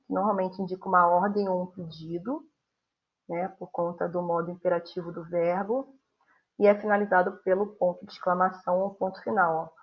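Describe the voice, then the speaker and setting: Husky-voiced Brazilian woman teaching. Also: fairly low pitch. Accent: Brazilian Portuguese. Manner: explains steadily, acts out example sentences with strong intonation. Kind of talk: recorded grammar lesson. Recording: dull lo-fi sound.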